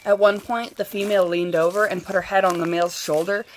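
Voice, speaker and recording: An actress plays an earnest woman who is easily moved, speaking in an audio drama. Her voice sits at an ordinary female pitch with a natural, conversational delivery. Some noise runs behind her. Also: fairly even intonation, fast, lightly acted. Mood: awed, tender.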